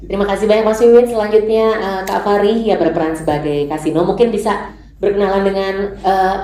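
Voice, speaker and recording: A woman's voice: medium pitch, steady tone, mellow. A woman moderating a press conference, politely handing the floor to each speaker. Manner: polite, brisk hand-offs. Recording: echoey hall.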